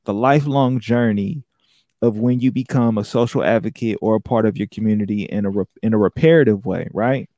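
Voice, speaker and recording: A man's voice: lowish voice, a little fast, warm tone, dry recording. A young man from San Francisco, talking casually and reflectively, explaining his points. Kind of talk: casual conversation.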